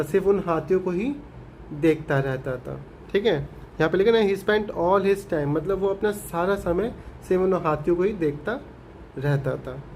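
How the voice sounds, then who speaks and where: Male teacher, high voice, explains an English story in Hindi, asks and answers his own questions, faint noise behind. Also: darkish tone, low-quality recording. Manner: reads English lines slowly, then explains them.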